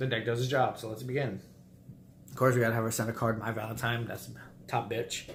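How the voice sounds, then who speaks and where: A somewhat breathy male voice. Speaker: card game YouTuber. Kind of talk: deck profile video. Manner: casual, halting.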